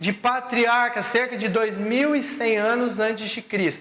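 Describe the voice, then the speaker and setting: An animated tone over noticeable background noise. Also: man. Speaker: Bible teacher. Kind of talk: lecture. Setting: church garage classroom.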